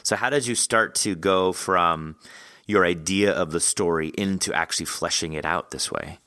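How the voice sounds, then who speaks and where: Bright-voiced man hosting a casual interview. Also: low voice, normal speed, clear, resonant tone, no echo, studio quality. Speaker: podcast host interviewing an author.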